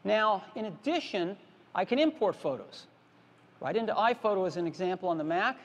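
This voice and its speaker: A man's voice: high-pitched, lo-fi sound. A man presenting a product keynote on a large stage, explaining features in a plain, repetitive, emphatic way. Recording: reverberant conference hall.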